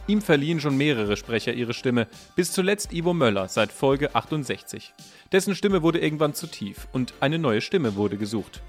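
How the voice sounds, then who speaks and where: A man reading a scripted podcast introduction in a measured presenter's manner. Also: medium pitch, big pitch swings. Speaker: narrator of an introduction segment. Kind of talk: scripted narration. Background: soft music.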